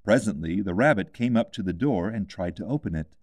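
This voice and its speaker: Guy reading a kids classic audiobook, lowish voice, very animated, dry recording. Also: brisk, no echo. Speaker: audiobook reader. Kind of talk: scripted storybook narration.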